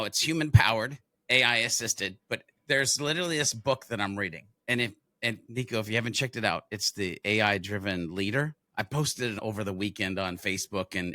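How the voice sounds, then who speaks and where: A man co-hosting a podcast, talking in an energetic, enthusiastic, slangy way. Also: mid-range voice, dry recording. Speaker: podcast co-host. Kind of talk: casual podcast chat.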